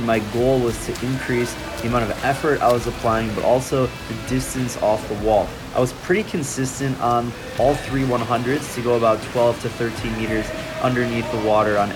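A man's voice: mid-range voice, rough recording. A man speaking as a swim coach, giving voice-over commentary that reviews his own swimming.

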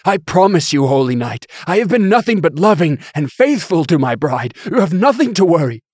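A man voicing a pompous middle-aged bishop who blusters and pleads in a shrill, strained voice. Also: very animated, moderate pace, darkish tone, no room sound, clean studio sound. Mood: pleading panic.

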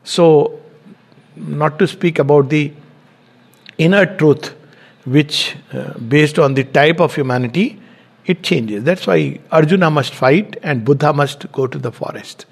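Measured man lecturing. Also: on the high side, creaky, breathy edge. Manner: measured, explanatory, slows down to read quotes. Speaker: spiritual teacher giving a talk. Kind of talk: reflective lecture with read-out quotes and commentary.

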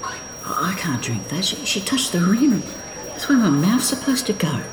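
A man's voice: high-pitched, very animated, a crowd in the background. A man playing an anxious autistic man, stammering and repeating himself in a fretful inner monologue in an audio drama. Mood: anxious, distressed. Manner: stammering, halting, repetitive, fretful. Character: anxious autistic man spiralling over a coffee order. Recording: noisy, echoing room sound.

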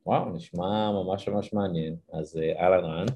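Male podcast host, Israeli accent, dark husky low voice, conversational interviewing. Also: steady tone.

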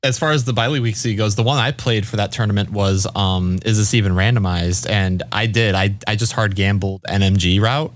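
A man's voice: lowish voice, steady tone, a little fast, hardly any pauses. Easygoing man telling a game story. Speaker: podcast co-host. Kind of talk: casual chat.

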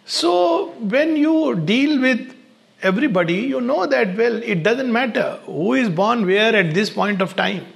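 A man giving an unhurried spiritual talk in short, pausing phrases. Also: very high-pitched, expressive, vocal fry, a bit bright. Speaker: spiritual speaker.

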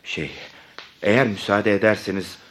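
An earnest former guard voiced by a man in an audio drama. He talks respectfully in a lowish voice, with a steady, sincere manner. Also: normal speed, a little hiss or hum, lightly acted. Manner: deferential, earnest.

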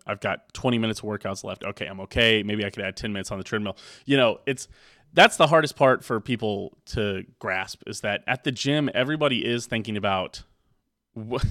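A man's voice: mid-range voice, a bit bright, no room sound, clean studio sound. A man co-hosting a podcast, talking candidly and encouragingly, rambling with frequent restarts. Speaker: podcast co-host.

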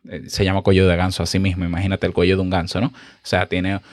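A man hosting a podcast lesson, explaining with animated energy and often checking in with the listener on a close microphone. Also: low-pitched, fast talker, no room sound. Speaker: podcast host and instructor. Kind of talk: instructional podcast talk. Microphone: close studio microphone with compressor.

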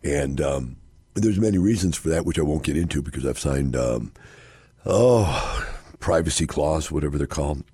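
A hoarse man hosting a radio show on investing, talking casually and rambling with many fillers and restarts. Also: very deep voice, animated, moderate pace, mellow, no echo. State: hoarse, scratchy voice.

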